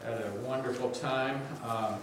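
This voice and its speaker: A big-voiced guest preacher delivers a sermon in a large church sanctuary, his medium-pitched voice unhurried. He preaches with energy in a conversational style full of asides, recorded from a distance in a very echoey space with a little hiss or hum.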